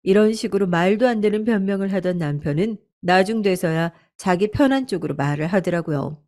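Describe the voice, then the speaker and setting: A woman's voice: medium pitch, animated, brisk, a little mellow. A woman narrating a true-story radio drama in the first person, earnest and confiding.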